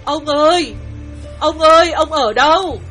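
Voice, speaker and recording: A worried older wife. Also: male voice, extremely high pitch, measured pace, pushed and bright, soft background music, voice pushed up, exaggerated voice, rough recording. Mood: calling anxiously. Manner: worried, calling out, stammering. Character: anxious older wife searching for her husband.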